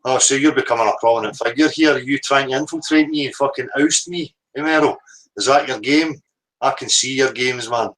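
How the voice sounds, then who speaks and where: A Northern Irish man hosts a live stream in a loose, rambling manner, drifting between thoughts and swearing now and then. His speaking voice sits at an everyday middle pitch. He sounds unhurried and reflective. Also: fairly bright tone, poor audio. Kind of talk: casual live-stream monologue.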